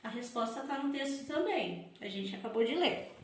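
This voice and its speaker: Brazilian portuguese accented teacher lady, high voice, echoey room, sounds out syllables slow for little kids. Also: lively intonation, a little hiss or hum. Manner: slow, exaggerated syllable-by-syllable explanations. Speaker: primary school teacher. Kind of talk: recorded remote lesson for children.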